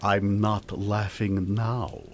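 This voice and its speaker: A man playing a dry, unflappable older mad scientist in a comic radio drama, deadpan and theatrical. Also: fairly low pitch, drawn-out words, a little hiss or hum. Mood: dry, composed. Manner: deadpan, theatrical, swinging into urgency.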